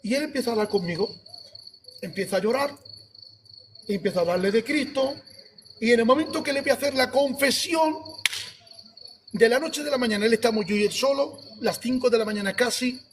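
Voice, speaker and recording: A man from giving a lively preaching testimony, acting out his own pleas as he tells the story. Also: very high-pitched, a little fast, pauses often, noisy background. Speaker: church brother giving testimony.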